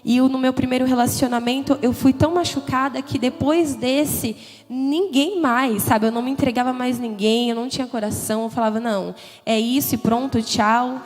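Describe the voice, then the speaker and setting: A young woman with a higher voice gives a personal testimony at a church youth congress, speaking a little fast in a steady tone. She's candid, conversational and emotional, often tagging sentences with "né?". Her words echo through a hall with long reverb while soft music plays faintly behind her.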